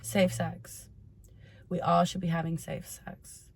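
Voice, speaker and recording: Candid lower-voiced woman chatting casually. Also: flat delivery, slow, a little mellow, breathy edge. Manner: candid, informal, swears freely. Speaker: host of a personal advice vlog. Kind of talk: casual chatty monologue to followers.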